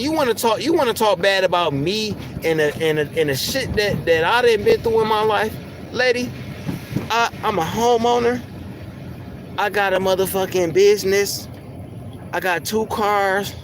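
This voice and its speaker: Guy with a high squeaky soft voice going off on a heated live rant, cussing, street and car noise behind. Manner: heated, profane, repeats words when worked up. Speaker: livestream host. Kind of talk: ranting livestream monologue.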